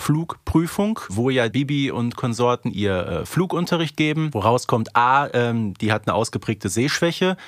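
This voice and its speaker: A man's voice: mid-range voice, lively intonation, moderate pace, hardly any pauses, no room sound, clean studio sound. A man co-hosting a podcast in casual, conversational discussion. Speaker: podcast co-host.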